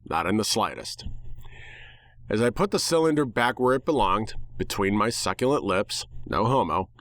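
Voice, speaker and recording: A man's voice: fairly low pitch, normal speed, no room sound. Sardonic man narrating a story, dry sound. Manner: sardonic, expressive. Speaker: fan fiction narrator. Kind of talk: dramatic first-person story narration.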